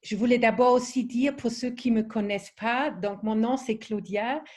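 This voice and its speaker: A woman's voice: fairly high pitch, moderate pace, darkish tone. A woman from Germany's Black Forest with a German accent, presenting an online training session in French, her second language, with many fillers and restarts.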